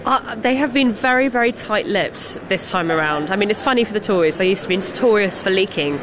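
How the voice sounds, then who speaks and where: A hoarse woman, a political correspondent giving analysis down the line on live radio. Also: mid-range voice, expressive, crowd noise. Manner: fast, fluent, talks in quick runs.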